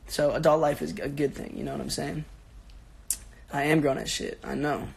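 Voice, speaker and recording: Young man, 20s, sick and raspy, gravelly, laid-back rambling livestream chat, slightly high voice, phone mic. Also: normal speed. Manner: laid-back, rambling, slangy, answering fans. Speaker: social media personality on a livestream. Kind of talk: casual livestream chat reading comments. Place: bedroom at home.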